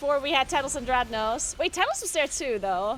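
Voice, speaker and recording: Lively intonation marks this woman's speech in a German accent. Her pitch is high. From Germany. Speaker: streamer and esports caster. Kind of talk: casual livestream chat. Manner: animated, halting with fillers.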